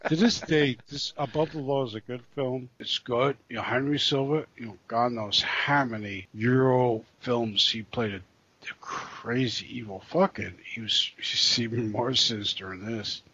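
Rambling, halting man on a podcast. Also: mid-range voice, pushed and bright, slightly rough. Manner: rambling, halting, swears freely. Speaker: podcast co-host. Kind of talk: casual film chat. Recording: dull lo-fi sound.

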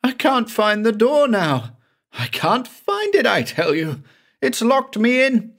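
A terrified, guilt-haunted man, as a male narrator puts him on, shrieking in a high, shrill voice. His pitch leaps and swoops wildly, and the words come out slow and dragged. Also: huge pitch swings, fairly bright tone, exaggerated voice. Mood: frightened. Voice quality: shrill, frantic. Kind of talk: dramatic audiobook reading.

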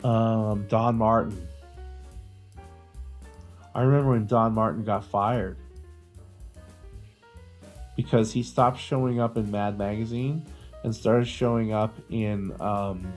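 A man's voice: on the low side, fairly even intonation, slow, long pauses, soft background music. A man hosting a podcast in casual chat, opinionated and slangy, swearing freely. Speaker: podcast host.

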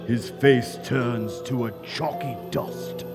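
An actor narrating a ghostly tale in a live radio play, dramatic, deliberate and ominous. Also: male voice, mid-range voice, over loud music, close to an everyday voice. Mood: hushed dread. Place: theatre stage, live before an audience.

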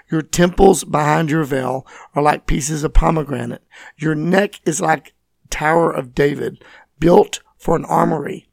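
A man with a scratchy, hoarse voice, teaching and reading scripture as host of a Bible program. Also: fairly high pitch, dry recording, studio quality. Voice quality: scratchy, raspy. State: hoarse from voice loss, recovering.

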